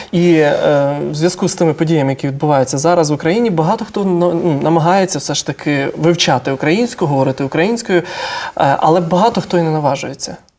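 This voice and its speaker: Noticeable noise fills the background. The talking goes at a fairly quick clip. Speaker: TV show host. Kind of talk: interviewer on morning show.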